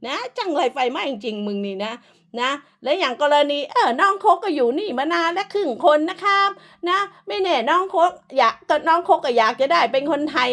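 A woman's voice: sits high, animated, brisk, fairly bright tone. A woman delivering an angry, profane, scolding rant as an online commentator, hurling insults throughout.

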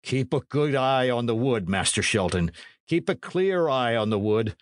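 Guy playing a gruff nervous retainer, brusque old-timey talk, bounces around in pitch. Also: animated, normal speed, no room sound, clean studio sound, lightly acted. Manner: old-fashioned, brusque speech. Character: middle-aged male retainer, gruff and uneasy. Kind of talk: audiobook character voice.

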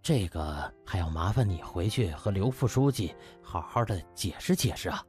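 A man voicing a hesitant, evasive male hospital director in an audiobook, speaking haltingly. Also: low-pitched, animated, darkish tone, faint music behind, voice pushed down. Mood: awkward, apologetic.

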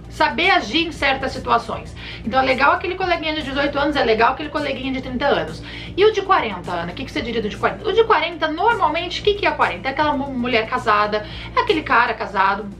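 Speaking in a high-pitched voice, a woman in her thirties from Brazil works as a flight attendant and shares casual tips to camera. She's chatty, with animated gestures and warm nicknames for viewers, filmed indoors in a bedroom from a front camera at chest height.

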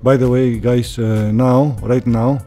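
A man with a mellow, dark voice hosts a motor show walkaround. He jokes and rambles in loose English full of fillers, recorded close to the mic with faint music behind. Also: medium pitch, fairly even intonation, slow. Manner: joking, rambling, non-native English with many fillers. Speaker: motorcycle video host. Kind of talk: casual chat at a motor show. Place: busy indoor motorcycle exhibition hall. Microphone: mic held close to his mouth.

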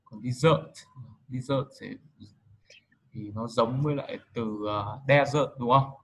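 A man giving a casual vocabulary lesson, explaining slowly and patiently with many fillers. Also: medium pitch, husky. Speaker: English tutor.

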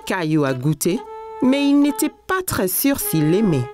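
A woman narrating a children's cartoon as a kindly, expressive storyteller. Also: lowish voice, unhurried, faint music behind. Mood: storytelling. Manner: expressive, clearly paced storytelling. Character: kindly storyteller narrating a little boy's everyday adventures.

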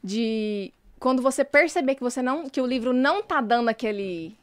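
A young woman, a guest in a casual podcast chat, talking chattily with frequent restarts and bursts of excitement. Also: high-pitched, a little fast, no echo.

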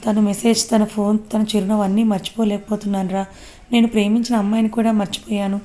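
A woman's voice: medium pitch, little pitch movement, fast, warm tone, close to an everyday voice. A woman voicing a lovesick young man who insists and defends the girl he cares for.

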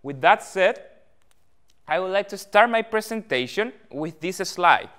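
Chilean man, thirties, smooth clear voice, friendly speaker, frequent fillers, meeting hall. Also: sits high, lively intonation, measured pace, pushed and bright. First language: Spanish. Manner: friendly, many fillers, gestures with hands. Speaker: guest speaker, almond research manager. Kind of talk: presentation to growers. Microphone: far camera, no mic seen.

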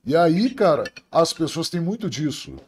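A man's voice: on the high side, animated, normal speed, darkish tone, breathy edge. A middle-aged man from Brazil, a police officer telling stories on a podcast in a blunt, profane, laughing way. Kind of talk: casual podcast storytelling.

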